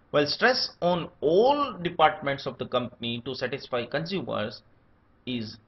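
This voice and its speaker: A man with an Indian accent giving a scripted academic lecture, listing his points one by one. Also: fairly high pitch. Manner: steady enumerating delivery, lists points one by one. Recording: dull lo-fi recording.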